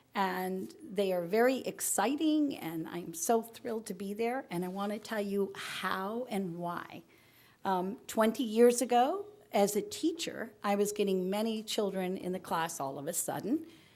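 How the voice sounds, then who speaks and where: A plain, everyday voice moves at a fairly slow pace with lively intonation. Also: woman, medium pitch for a woman. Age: 60s. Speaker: occupational therapist and part-time teacher. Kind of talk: public comment at school board meeting.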